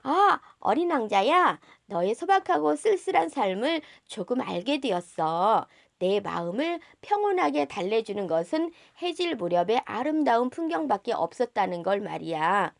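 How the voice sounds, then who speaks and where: A woman voicing a gentle, reflective grown-up male pilot in a storybook, addressing a child in a tender, musing way. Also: fairly high pitch, very animated, moderate pace, vocal fry, hardly any pauses, no echo, clean studio sound.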